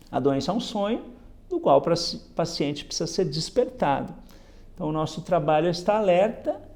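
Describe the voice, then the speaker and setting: This man's voice is high, gravelly, and mellow as he talks through a Bible lesson. Reflective in manner, he reads a passage, explains it, and repeatedly adds "né?" along the way.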